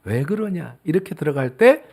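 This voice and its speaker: A middle-aged male pastor preaching a sermon, swinging between loud emphasis and soft, near-whispered asides. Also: a little high, very animated, normal speed, creaky.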